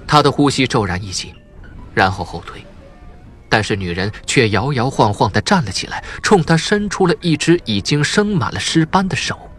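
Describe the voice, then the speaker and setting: A man's voice: mid-range voice, animated, normal speed, a bit bright, soft background music. A man narrating a suspense audiobook in a dramatic, theatrical storytelling manner.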